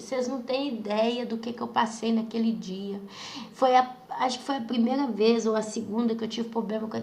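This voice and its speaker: A woman's voice: fairly high pitch, gravelly, darkish tone. A woman giving an emotional testimony to a congregation, repeating phrases and calling on her listeners. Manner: repeats phrases, often calls the listeners "brothers". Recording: roomy echo.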